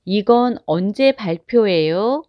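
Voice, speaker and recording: A woman reading short example sentences aloud, slowly and evenly, for language learners. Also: mid-range voice, animated, dry recording, dull audio. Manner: careful, evenly spaced phrase reading. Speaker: Korean phrase reader.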